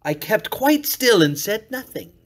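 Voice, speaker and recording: A man's voice: high voice, very animated, unhurried, pitched above the performer's own voice, full character voice. A man voicing a sly, unhinged male murderer who narrates his crime with theatrical menace, sudden whispers and outbursts. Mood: menacing. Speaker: reader. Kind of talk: dramatic reading.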